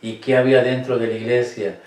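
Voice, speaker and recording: A man's voice: medium pitch, level tone, fairly quick, a little mellow. A man leading a Catholic Bible study, speaking emphatically and posing rhetorical questions to his listeners. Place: room with cameras. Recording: echoey room, distant mic.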